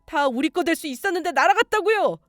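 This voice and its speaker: A woman's voice: a little high, very animated, brisk, a little mellow, dry recording, studio quality, soft background music. A woman voicing a greedy young man, the heroine's fiancé, who pleads and whines. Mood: whining.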